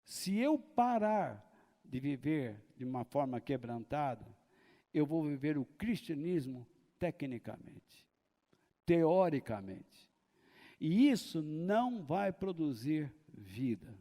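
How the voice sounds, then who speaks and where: A man preaching a sermon in a church hall, slow and deliberate, with a fairly high voice. His words ring out with a long reverb around them. He drags each phrase out and bursts into loud acted-out cries at times. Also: big pitch swings. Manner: slow, deliberate preaching with sudden shouted dramatizations. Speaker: pastor.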